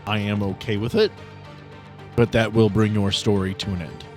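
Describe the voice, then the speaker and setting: A man's voice: lowish voice, little pitch movement, moderate pace, over music. A man narrating a casual tabletop game as game master, with dry, teasing banter.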